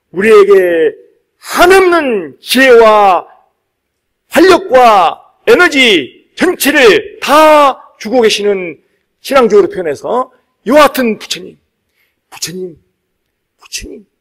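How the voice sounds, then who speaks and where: A male Buddhist monk delivers a dharma talk in a high-pitched voice. His intonation rises and falls dramatically as he urges his listeners on. He repeats key phrases and leaves pauses for emphasis. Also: a bit bright. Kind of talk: sermon to a live congregation.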